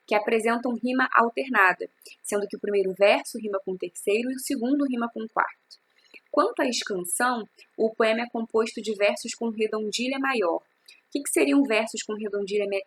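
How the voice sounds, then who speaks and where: Woman teacher, a bit breathy, walks through a lesson by posing and answering her own questions. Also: a little high, normal speed, fairly bright tone. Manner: explains step by step, asks and answers own questions. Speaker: literature teacher. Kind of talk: recorded class explanation.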